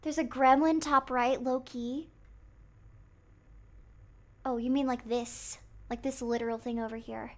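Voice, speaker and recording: A woman's voice: a little high, fairly even intonation, a little slow, pauses often. A woman livestreamer with a cute, girlish anime-like voice, commenting casually and playfully on a game to her chat, sometimes murmuring to herself. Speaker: livestreamer playing a horror game.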